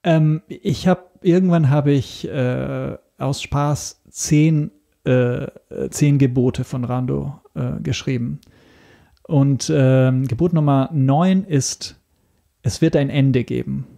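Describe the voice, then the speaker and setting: Hesitant man with a mellow voice. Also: mid-range voice, steady tone, gravelly. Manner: hesitant, searching for words, with many pauses. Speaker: podcast guest, radio drama maker. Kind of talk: casual podcast interview.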